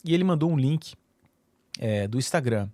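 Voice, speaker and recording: A middle-aged man from Brazil talks loosely to his viewers, hopping between restarts and fillers. His voice sits at an ordinary middle pitch. The recording is dry and close, with no room sound. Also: lively intonation, normal speed, warm tone, dry recording. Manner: rambling, many fillers and restarts. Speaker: YouTube channel host. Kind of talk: casual solo talk to camera.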